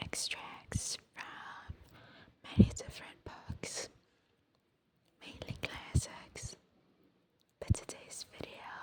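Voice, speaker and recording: A whispering voice moves at a very slow pace over noticeable background noise. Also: woman. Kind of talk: whispered book reading for sleep. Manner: whispered, soft.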